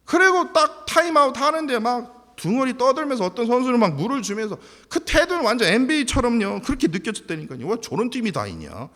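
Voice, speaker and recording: A man's voice: very high-pitched, big pitch swings, quick pace, hardly any pauses, a bit bright. A pastor, a man, preaching a sermon and telling a story animatedly, laughing now and then. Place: church sanctuary. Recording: long church hall reverb.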